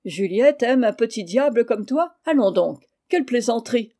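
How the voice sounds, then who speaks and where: A woman reading the part of a kindly male judge who speaks calmly and reassuringly in a storybook. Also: on the high side, normal speed. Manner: calm, reassuring.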